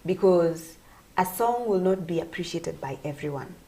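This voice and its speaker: A woman's voice: lowish voice, lively intonation, normal speed, mellow, low-quality recording. A woman from Kenya, a gospel singer and vocal coach, giving earnest, explanatory interview answers and repeating phrases for emphasis.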